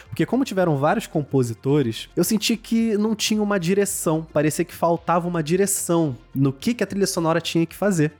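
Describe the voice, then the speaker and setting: A Brazilian man with a slightly high voice reviews games in casual chat. He is expressive and slangy, drawing out words to make a point, while faint music plays behind him. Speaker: podcast game reviewer.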